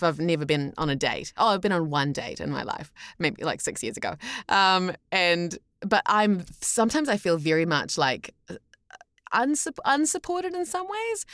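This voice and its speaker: A woman's voice: sits low, no echo, clean studio sound. A young adult woman with a New Zealand accent, talking candidly and expressively as a guest in a casual podcast conversation. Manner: candid, expressive, wordy with self-corrections. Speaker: guest, voice actor.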